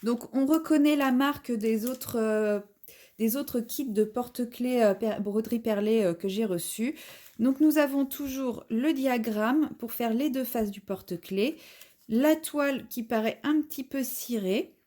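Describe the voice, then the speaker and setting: In her laid-back home unboxing vlog, a craft creator talks through her items one at a time, easygoing and conversational. Her somewhat high voice is soft and mellow, and she speaks a little slowly.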